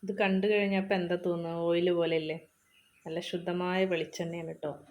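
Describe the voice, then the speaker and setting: A woman's voice: fairly low pitch, flat delivery, normal speed, darkish tone, slight background noise. A mother talking casually to her camera in her home kitchen, asking viewers questions. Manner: conversational, asks the viewer questions. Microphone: camera on a tripod.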